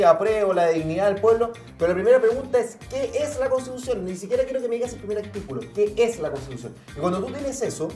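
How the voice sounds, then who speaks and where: Young male Chilean interview host, rapid casual slangy delivery, emphatic and rhetorical, slightly echoey room. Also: high-pitched, a little mellow. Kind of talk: casual, colloquial political chat.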